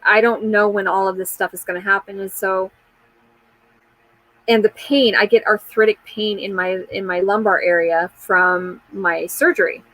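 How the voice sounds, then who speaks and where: A woman's voice: mid-range voice, a bit bright, no echo, poor audio. A woman in her forties hosting a casual live chat, talking candidly in a rambling way and answering viewer comments, with frequent fillers and restarts. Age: 40s.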